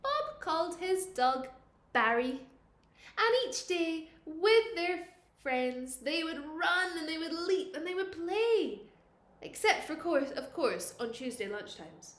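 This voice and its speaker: A woman, a primary school teacher, reading a picture book to young children expressively, with dramatic pauses and questions to her listeners. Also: very high-pitched, big pitch swings, a bit bright, reverberant.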